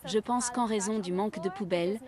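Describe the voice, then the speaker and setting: A woman's voice: medium pitch, brisk, close to an everyday voice. A woman giving interview remarks for a television news report. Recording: crowd noise behind the voice.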